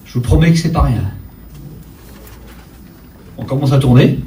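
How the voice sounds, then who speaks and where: A man's voice: medium pitch, expressive, a little slow, background noise. A middle-aged man preaching a sermon, telling a personal story to the congregation and speaking to them directly, in a church. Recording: echoey church from far off. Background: faint ambience, congregation saying amen.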